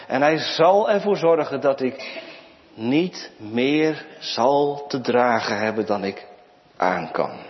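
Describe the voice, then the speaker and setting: Male preacher, sermon delivery, very lively pitch, drops to hushed words, muffled church sound. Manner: slow, lively preaching with dramatic pauses and sudden drops to near whispers. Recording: muffled church recording with long reverb.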